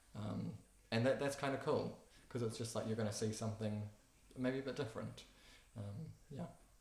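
A man with vocal fry talks at a fairly quick pace and medium pitch, with fairly even intonation. He takes long, frequent pauses. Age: 20s. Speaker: writer and collage artist. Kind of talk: casual conversation.

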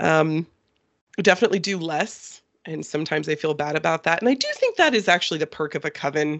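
Talking at a very fast pace, a woman has a West Coast American accent. Her pitch is very deep and low, with ordinary variation. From Northern California. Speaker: author. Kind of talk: interview.

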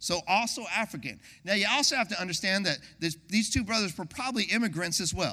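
A man's raised, projected voice, animated and bright, sharp in tone, with lively intonation, high pitch, a very fast pace and an American accent. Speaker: guest preacher. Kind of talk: sermon. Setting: church.

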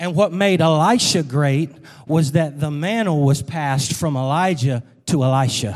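A man with a fairly high pitch talks at a moderate pace in an animated tone with ordinary pitch variation. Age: 40s. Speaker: pastor. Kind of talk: sermon.

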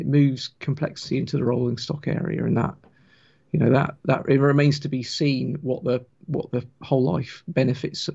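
A man with a Wiltshire accent, fairly high-pitched, with fairly even intonation, a moderate pace, and vocal fry. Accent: gentle Wiltshire twang. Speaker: rail engineer and author. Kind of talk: casual chat. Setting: video call, livestream.

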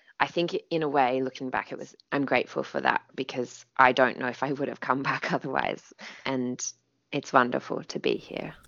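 With an Australian accent, a woman talks at a moderate pace in a very deep, low voice with monotone, flat intonation. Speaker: stage and screen actor. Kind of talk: interview.

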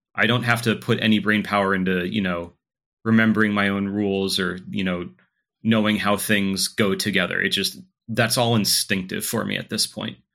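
On a very clean recording with a silent background, a man with fairly low pitch and a bright, sharp tone speaks at a moderate pace. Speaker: tabletop wargame player and YouTuber. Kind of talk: casual chat. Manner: joking, animated.

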